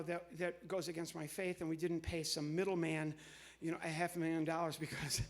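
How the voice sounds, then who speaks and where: A middle-aged American man from the Midwest doing live comedy patter on stage, chatty and halting, often interrupting himself. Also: sits high. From Midwestern United States. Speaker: comedian and entertainer. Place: on stage in a large church hall.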